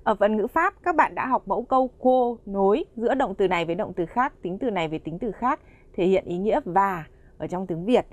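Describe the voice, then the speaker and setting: A woman's voice: mid-range voice, lively intonation, a little fast, no room sound, lo-fi sound. A woman narrating a language course, addressing learners directly and explaining the lesson in a friendly, explanatory way.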